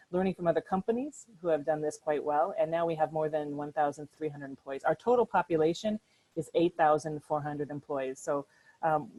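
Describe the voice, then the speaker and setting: A middle-aged American woman giving a conversational presentation over a video call from her apartment, often pausing with fillers and restarts. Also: low-pitched, warm tone, poor audio. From United States. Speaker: workshop speaker. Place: apartment at home.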